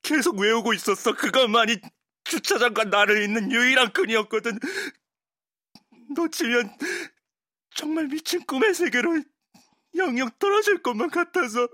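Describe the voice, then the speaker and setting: Guy doing a sleepy desperate professor, kinda high and husky, keeps fading out. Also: animated, measured pace, pauses often, a bit bright, no room sound, studio quality. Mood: urgent. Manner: pleading, drowsy, trailing off. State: sleepy, struggling to stay awake. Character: exhausted drugged male professor fading into sleep. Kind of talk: audiobook character voice.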